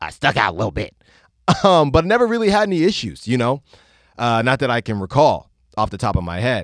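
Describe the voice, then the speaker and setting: A man at medium pitch with a Californian accent, very fast, with very wide pitch swings and long, frequent pauses. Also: very clean recording, silent background. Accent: American (California). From Northern California, Bay Area (Concord). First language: Spanish. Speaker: podcast host. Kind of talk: casual solo monologue. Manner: conversational, many fillers.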